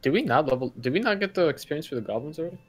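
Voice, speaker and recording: A man's voice: on the high side, lively intonation, racing. A man chatting casually as a player in a tabletop game. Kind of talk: casual chat.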